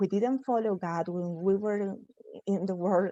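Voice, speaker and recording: Dark and mellow in tone, a woman's medium-pitched voice carries a Spanish accent. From Peru, Chimbote. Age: 20s. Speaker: church youth leader. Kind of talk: interview. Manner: halting.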